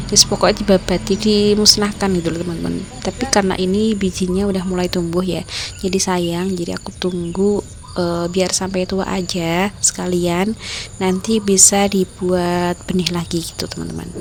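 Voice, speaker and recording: Noticeable background noise sits behind the voice. The delivery is monotone and flat at a moderate pace. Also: woman, medium pitch for a woman. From Java, Indonesia. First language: Javanese (speaking Indonesian). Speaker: housewife vlogger. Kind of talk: casual vlog voiceover. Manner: casual, mixing Javanese words.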